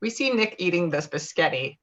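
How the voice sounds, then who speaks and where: Female narrator for a script read-through, lowish pitch, informal and slightly halting delivery. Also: sing-song, muffled recording. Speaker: stage directions reader.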